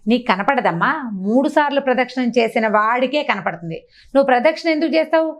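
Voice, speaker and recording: A woman playing a doting but deadly old demon mother in a spoken folk tale. She lays out her secret quickly and boastfully, in a fairly high voice. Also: lively intonation.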